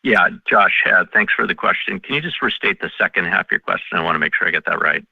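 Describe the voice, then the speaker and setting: Deep-voiced male executive on a conference call. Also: expressive, quick pace, gravelly, slightly rough, no room sound. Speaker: company executive answering analyst questions. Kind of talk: unscripted earnings call answer. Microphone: conference call line. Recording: dull, band-limited conference call audio.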